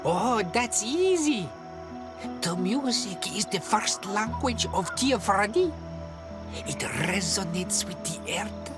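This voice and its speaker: A man's voice: high-pitched, sing-song, takes it slowly, full character voice. An actor playing a cryptic old tribal elder in a video game, riddling and drawing out his words. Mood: cryptic, musing. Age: older. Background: game music under the voice.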